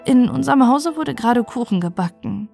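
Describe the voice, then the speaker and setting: A woman storyteller narrating a bedtime story in a calm, gentle way. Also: a little high, a little fast, vocal fry, soft background music.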